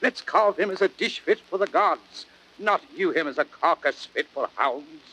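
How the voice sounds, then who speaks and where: A man playing a grave, high-minded Roman nobleman, speaking in a solemn, measured, oratorical Shakespearean style. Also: expressive, bright, forceful tone, breathy edge, full character voice, rough recording. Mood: earnest, resolute. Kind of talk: classic Shakespearean radio acting, oratorical. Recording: hissy old audiodrama record.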